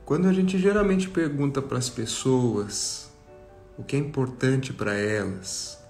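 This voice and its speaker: A Brazilian man leading a guided meditation talk for a group, speaking reflectively with long pauses. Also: mid-range voice, darkish tone. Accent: Brazilian Portuguese. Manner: slow, pausing, reflective. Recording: roomy echo, faint music behind.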